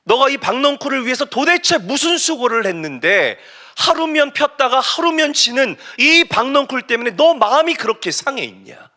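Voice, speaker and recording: A man voicing God as a patient father who reasons gently with a stubborn prophet. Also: very high-pitched, pitched above the performer's own voice, full character voice. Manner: gentle pleading questions.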